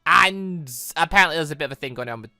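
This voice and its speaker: A man's voice: a little high, quick pace, bright, forceful tone, clear, resonant tone, no echo, faint music behind. A man giving chatty, rambling let's play commentary, often correcting himself as he goes, close on the mic. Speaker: gaming channel host. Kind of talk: let's play commentary with read-aloud dialogue.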